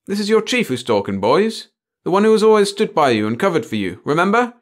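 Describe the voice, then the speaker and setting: A man's voice: medium pitch, lively intonation, brisk, a bit bright, pitched above the performer's own voice, lightly acted. A man voicing an anxious, wheedling male lab chief in a story, pleading and flustered. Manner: pleading, whiny, hasty. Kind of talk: storybook character voice in narration.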